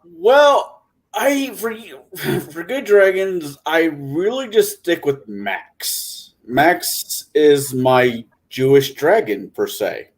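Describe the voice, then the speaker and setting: A man's voice: fairly high pitch, very animated, very slow. A man chatting casually as a game master on a gaming panel, rambling, stumbling and correcting himself. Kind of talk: casual chat.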